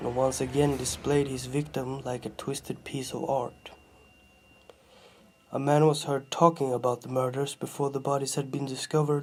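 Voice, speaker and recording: With a non-native accent, the speaker talks at a moderate pace. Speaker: true crime writer and narrator. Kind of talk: true crime narration.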